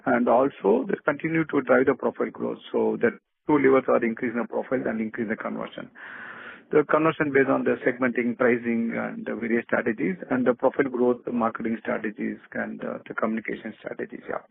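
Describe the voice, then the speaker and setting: A man with an Indian accent speaking as a company executive, answering questions off the cuff in a halting, repetitive way with many restarts. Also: medium pitch, fairly even intonation, gravelly, husky, no room sound. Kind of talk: unscripted earnings call answers. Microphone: telephone conference call. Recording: narrow muffled phone conference line.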